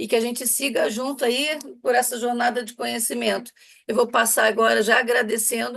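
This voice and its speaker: With a Rio de Janeiro accent, a woman talks at a moderate pace and a fairly high pitch. Her intonation is fairly even, with vocal fry. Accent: carioca. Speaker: webinar host. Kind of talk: webinar introduction.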